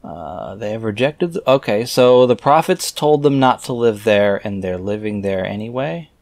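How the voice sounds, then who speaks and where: A man's voice: lowish voice, expressive, normal speed, gravelly, a little mellow, no room sound. Wry man reading aloud, close and dry. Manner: wry, skeptical asides. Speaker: reader and commentator. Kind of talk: reading scripture aloud with offhand commentary.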